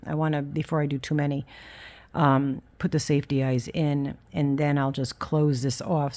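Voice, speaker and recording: Low-voiced woman with a whistling s. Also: darkish tone. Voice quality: whistling s through the teeth. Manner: candid, self-deprecating. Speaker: craft vlogger. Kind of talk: casual rambling show-and-tell.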